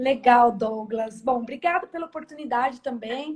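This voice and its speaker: Her pitch is high, with ordinary variation. The woman speaks at a fairly slow pace. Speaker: mayoral candidate, educator. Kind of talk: interview.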